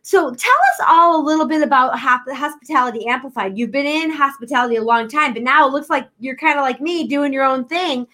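A woman hosting a podcast, bubbly and excitable, chatting with her guest over a video call. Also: high-pitched. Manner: bubbly, excitable, quick laughs. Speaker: podcast host. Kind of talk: casual interview chat.

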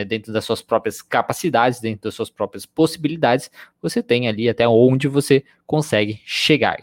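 A man teaching a live psychology class speaks with a Brazilian Portuguese accent in a mid-range voice. His streamed lecture is conversational and peppered with tag questions, and the recording is dry and studio-quality.

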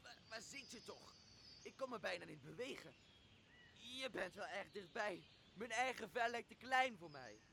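A cringing monster of the island in a radio play. The voice is high, sharp and full of gravel, whimpering and servile, with faint ambience behind it. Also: male voice, animated, moderate pace, slight background noise, heavily acted. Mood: tormented, pleading. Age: young adult. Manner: pleading, whimpering.

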